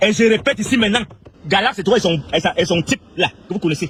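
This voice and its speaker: Beneath an animated tone, there is noticeable background noise. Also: man. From Cameroon. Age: 40s. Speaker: political activist. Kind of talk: political monologue.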